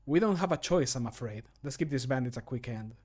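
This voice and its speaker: A grim, resolute male adventurer from a fantasy game, acted by a man close on the microphone. He speaks at a medium pitch in measured, solemn phrases that drop away at the end. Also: animated, a little mellow, breathy edge. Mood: solemn regret. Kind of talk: scripted video game voice line. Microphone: close studio microphone.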